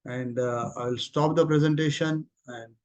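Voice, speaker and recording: A man's voice: medium pitch, fairly even intonation, a little slow, a little mellow. A man with an Indian accent giving a company results presentation as an executive on a conference call, speaking informally. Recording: muffled, lo-fi conference call audio.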